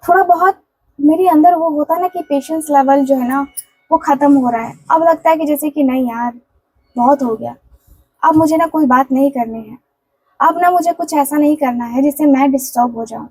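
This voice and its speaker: A woman with a high voice speaks as a tarot reader, relaying a love message in the first person. She talks in an earnest, pleading way, circling back over the same phrases with casual fillers. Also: moderate pace, dark tone, poor audio. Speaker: tarot and candle wax reader.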